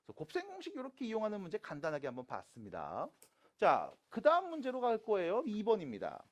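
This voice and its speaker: A man teaching math to high school students in a classroom, casual and teasing, switching between polite and plain speech. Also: wildly swooping pitch, fast. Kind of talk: classroom lecture.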